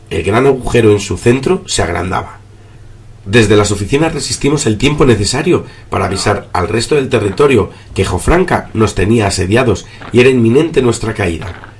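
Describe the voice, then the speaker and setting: A man playing a besieged resistance member, narrating a post-apocalyptic radio serial in a solemn, measured, foreboding storytelling style. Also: lowish voice. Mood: desperate, resigned. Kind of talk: scripted dramatic narration.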